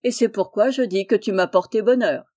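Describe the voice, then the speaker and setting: A woman reading aloud and voicing a brusque, hearty middle-aged farmer, gruff and booming at times. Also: fairly quick, dark tone, lightly acted. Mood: jovial.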